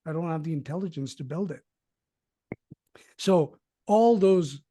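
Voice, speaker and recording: A man's voice: on the high side, mellow, dry recording, studio quality. A man hosting a group video call from his dining table, talking bluntly and swearing freely. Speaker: host.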